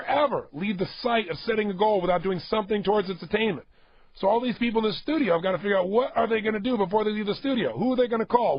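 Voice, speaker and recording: A man with a high, breathy-edged voice gives a motivational talk to a studio audience, emphatic and repetitive as he urges listeners to act. The recording is muffled with no room sound.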